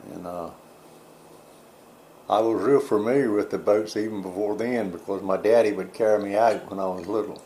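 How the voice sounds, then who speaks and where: A man speaks at a moderate pace and fairly low pitch, with fairly even intonation and long, frequent pauses. Audible room echo surrounds the recording. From North Carolina coast. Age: 60s. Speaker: retired fishing boat captain. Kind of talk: oral history interview. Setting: at his home.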